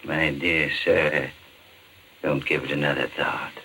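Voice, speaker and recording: An actor playing a courteous, sinister pawnshop owner who speaks formally and deliberately in old-time radio horror style. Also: male voice, a bass voice, little pitch movement, bright, forceful tone, heavily acted. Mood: suave, courteous. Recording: hissy, noisy old-time radio recording.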